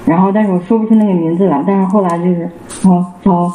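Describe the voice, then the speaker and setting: Halting man recounting his testimony. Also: sits high, steady tone, narrow, tinny audio. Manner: halting, repeats words and phrases, many fillers. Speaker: church member giving testimony. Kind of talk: casual spoken personal testimony. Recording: roomy with faint background noise.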